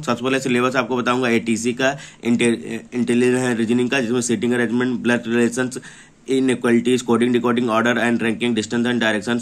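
A man giving an informal, explanatory walkthrough of a book, often repeating himself and reading out items. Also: mid-range voice. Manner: repetitive, explanatory, reading out lists. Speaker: presenter for a book publisher. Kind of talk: informal product walkthrough of an exam prep book.

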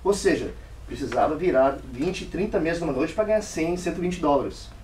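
Animated man telling a story in an echoey room. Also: a little high, fairly quick, recorded from a distance, slight background noise. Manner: animated, acts out dialogue in varied voices. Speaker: speaker giving a club speech. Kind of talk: storytelling speech. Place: meeting room.

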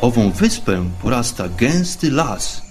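A man's voice: medium pitch, sing-song, takes it slowly. A man introducing a radio program with scripted narration in a storybook style. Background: music.

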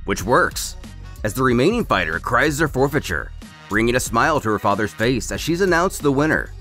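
A man's voice: mid-range voice, big pitch swings, fairly quick, fairly bright tone, faint music behind. A man narrating a scripted story recap as a host, in a storyteller's delivery.

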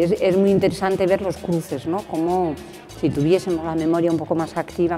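A woman's voice: low-pitched, dark tone. A woman activist talking reflectively in an interview, often restarting her phrases. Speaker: activist, organizer. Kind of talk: interview talk.

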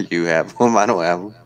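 A man's voice: low-pitched, a little slow. A man in his twenties hosting a casual livestream from home, bantering in slang and reading chat messages aloud. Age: 20s. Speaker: livestream host. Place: indoor home room, webcam stream.

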